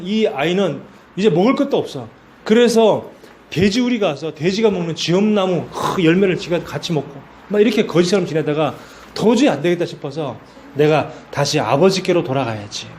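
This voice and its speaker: A male pastor preaching with a high, lively voice that swings widely in pitch. He tells his story animatedly and keeps asking rhetorical questions. A faint hiss sits under the sound. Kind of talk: sermon.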